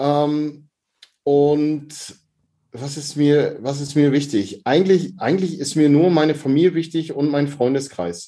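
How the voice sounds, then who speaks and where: Here a man talks at a very slow pace. His pitch is fairly high, with ordinary pitch variation. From northern Germany, Lübeck. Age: 40s. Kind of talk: interview. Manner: hesitant, many fillers.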